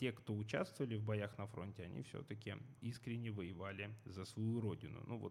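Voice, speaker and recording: A man speaks in a fairly low, somewhat breathy voice. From Moscow, Russia. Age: 20s. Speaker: history and social studies tutor. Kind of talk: interview.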